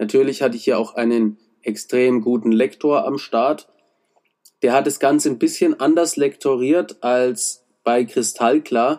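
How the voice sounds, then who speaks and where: Dark and mellow in tone, a man speaks at a medium pitch and a fairly slow pace with fairly even intonation. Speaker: podcast host, former drug addict. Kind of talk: solo monologue podcast. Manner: casual, slangy.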